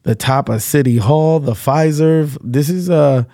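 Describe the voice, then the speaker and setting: Laid-back male podcast host, mellow tone. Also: on the high side, unhurried, no echo, studio quality. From born in the Bronx. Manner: easygoing, hype-filled, slangy. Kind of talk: casual interview chat. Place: high-rise office.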